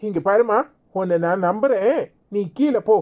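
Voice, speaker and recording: A woman voicing a calm cartoon husband. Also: mid-range voice, voice pushed down, lightly acted. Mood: soothing. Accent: Tirunelveli Tamil. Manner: slow, soothing. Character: calm village husband, gentle adult man.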